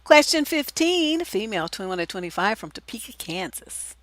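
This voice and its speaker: A woman's voice: medium pitch, big pitch swings, normal speed, a bit bright, no room sound. A middle-aged woman hosting a relationship advice livestream, talking bluntly and profanely with theatrical flair. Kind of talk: casual livestream advice chat.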